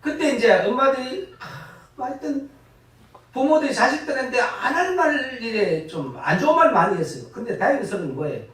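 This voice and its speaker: A retired pastor, preaching a lively sermon full of laughing asides and sudden loud bursts. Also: male voice, very high-pitched, moderate pace. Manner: animated, laughing storytelling with sudden loud rises. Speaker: guest pastor. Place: church sanctuary. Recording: echoey church from far off.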